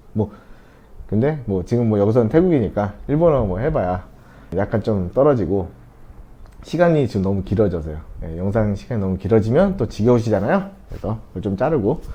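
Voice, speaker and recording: Lively in intonation, a man speaks at a fairly quick pace with a fairly low pitch. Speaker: vlogger living abroad. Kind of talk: casual vlog monologue. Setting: indoors before staff arrive, morning. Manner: casual, hesitant fillers.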